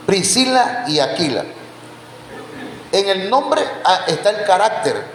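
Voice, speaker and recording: This male preacher has a high, sing-song voice with a fairly bright tone, and he speaks slowly. Teaching from the Bible, he fires questions at the congregation and refers to them as brothers. The echoey church hall carries faint background noise.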